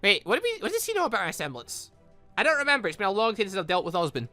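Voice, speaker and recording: Animated, bright-voiced man doing game commentary. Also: high-pitched, very fast, soft background music. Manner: rambling, playful, reacting aloud to himself. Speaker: gaming video host. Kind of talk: let's play commentary, casual chat.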